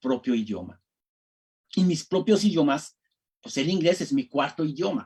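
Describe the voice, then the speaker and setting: His voice is fairly high for a man. The intonation is lively. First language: Arabic and French (speaking Spanish). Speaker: professor, international relations researcher. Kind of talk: interview. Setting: online broadcast. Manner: hesitant, many fillers.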